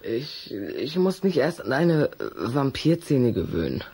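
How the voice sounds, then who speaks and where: A performer playing a shy, sulky young boy in a children's audio drama, hesitant and husky. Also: mid-range voice, sing-song, measured pace, warm tone, exaggerated voice. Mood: hesitant, uneasy. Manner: hesitant, reluctant.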